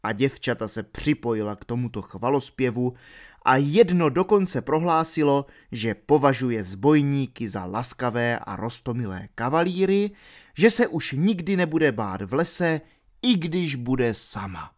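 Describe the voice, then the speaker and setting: A man's voice: mid-range voice, big pitch swings. Man reading an audiobook aloud. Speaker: audiobook narrator.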